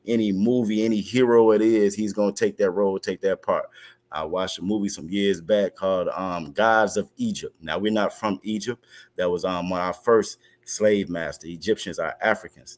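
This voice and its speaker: Deep-voiced man teaching an online class. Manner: halting, many fillers and restarts.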